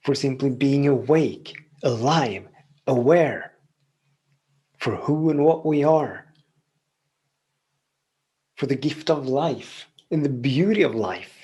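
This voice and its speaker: A man whose first language is Swedish, hosting a podcast and calmly giving a reflective spiritual teaching monologue, often repeating phrases in long lists. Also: mid-range voice, slow, long pauses, husky. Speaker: podcast host.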